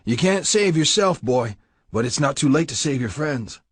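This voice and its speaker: A man voicing an older male biker club president who threatens and commands, husky and menacing. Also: mid-range voice, lively intonation, moderate pace, no echo, studio quality, pitched above the performer's own voice. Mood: cold pressuring.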